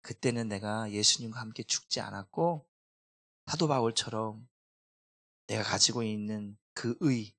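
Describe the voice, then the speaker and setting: A middle-aged man preaching a sermon as pastor, emotional, swinging between loud cries and hushed confession. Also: fairly low pitch, unhurried.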